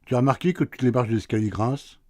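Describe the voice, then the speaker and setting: A man's voice: medium pitch, fast talker, no echo, natural voice. An actor playing a sleepy, teasing husband in a radio play, answering his wife with dry sarcasm. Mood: grumpy, teasing. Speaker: husband woken at night.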